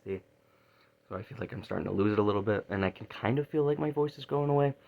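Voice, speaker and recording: A man talking casually in a video diary, halting and rambling, often repeating words and trailing off. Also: fairly low pitch, vocal fry. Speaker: vocal student keeping a practice diary. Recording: dull lo-fi recording.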